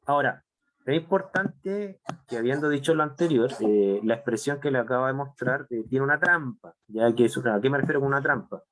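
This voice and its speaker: A man teaching a university chemistry class. He speaks at an ordinary pitch, explaining each point patiently, slowing down to stress what matters and tagging his sentences with quick checks that his students are following. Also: a bit bright, a little hiss or hum. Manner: explanatory, checks understanding with frequent tag questions. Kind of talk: online class lecture.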